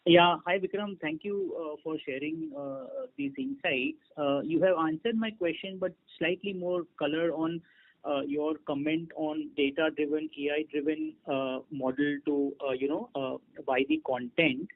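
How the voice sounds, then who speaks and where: A man's voice: a little high, measured pace, creaky. A man, an analyst, politely asks questions on an earnings call in hesitant, piecemeal phrases. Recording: narrow phone line.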